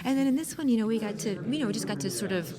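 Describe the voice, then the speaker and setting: A woman's voice: a little high, racing. A woman chatting casually as she gives an interview about her work. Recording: busy convention crowd behind the voice.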